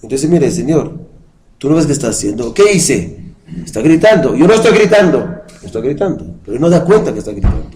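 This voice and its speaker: A man's voice: medium pitch, big pitch swings, brisk, a little mellow, rough recording. A man teaching a Jewish study class, explaining patiently, putting questions to his listeners and chanting verses in Hebrew. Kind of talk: religious study lecture with a live class.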